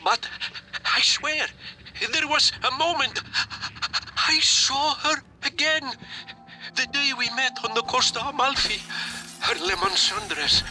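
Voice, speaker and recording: A wistful, high-voiced dreamer. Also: male voice, bright, forceful tone, soft background music, full character voice, rough recording. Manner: slow, dreamy, reminiscing. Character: wistful man remembering his lost love. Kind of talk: game audio log acting.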